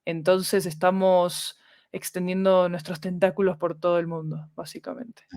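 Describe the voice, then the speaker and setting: A woman's voice: lowish voice, level tone, normal speed, darkish tone, dry recording, clean studio sound. A woman, answering as a podcast guest in an articulate, conversational, explanatory way. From Argentina. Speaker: guest, fiction podcast director.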